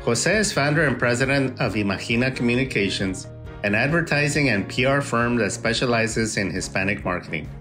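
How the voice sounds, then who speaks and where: A man hosting an interview program, reading a polished introduction and then asking measured questions. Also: mid-range voice, animated, fairly bright tone, faint music behind. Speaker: host.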